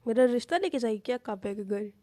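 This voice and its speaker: A woman's voice: on the high side, animated, quick pace, mellow, natural voice. A woman voicing a confident young woman who teases her friend in a strict, bossy tone. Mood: teasing. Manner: teasing, bossy.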